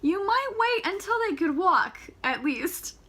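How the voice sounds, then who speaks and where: A woman's voice: very high-pitched, big pitch swings, a little slow, pushed and bright, voice pushed up, heavily acted. A woman voicing a wry, teasing young woman in an audiobook reading.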